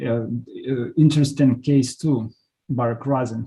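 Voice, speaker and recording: A man speaks with a Russian accent at a fairly high pitch. His voice is somewhat breathy, with ordinary pitch variation. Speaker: invited lecturer. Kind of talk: Q&A after a lecture. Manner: halting, many fillers and repetitions.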